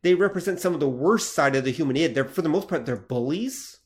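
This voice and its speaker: A man's voice: fairly high pitch, lively intonation, fast. A man co-hosting a podcast, explaining at length in a casual, thoughtful way with plenty of fillers. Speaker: podcast co-host. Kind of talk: casual chat about comic history.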